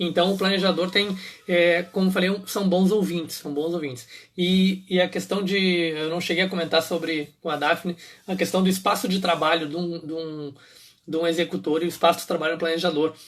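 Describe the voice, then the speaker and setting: On a very clean recording with a silent background, a man speaks at a high pitch and a fairly quick pace in a monotone, flat intonation. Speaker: behavioral profile coach. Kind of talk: live stream talk. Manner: fast; loud.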